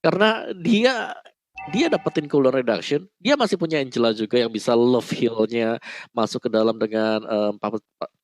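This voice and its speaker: An Indonesian man analyses an esports match in a mid-pitched voice. His phrasing is casual and emphatic, explaining the play as a co-commentator, with light music behind him. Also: expressive, normal speed, a little mellow.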